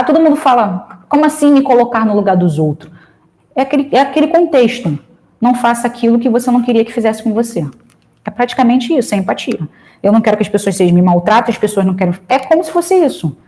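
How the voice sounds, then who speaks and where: Emphatic, excitable woman. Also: fairly high pitch. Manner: lively and emphatic, gets loud when excited; tells anecdotes, jokes along the way. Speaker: social project leader speaking to a group. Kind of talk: casual talk with advice.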